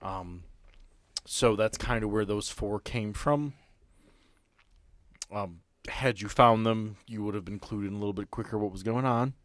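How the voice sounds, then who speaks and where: A man acting as game master on a podcast, explaining and narrating off the cuff with halting sentences. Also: on the low side, fairly bright tone, no room sound. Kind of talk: improvised narration and table chat for a tabletop game podcast.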